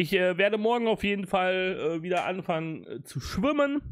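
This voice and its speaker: At a fairly slow pace, a man talks on a very clean recording with a silent background. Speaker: YouTuber. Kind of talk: casual vlog talk to viewers. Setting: at home. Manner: hesitant, many filler sounds.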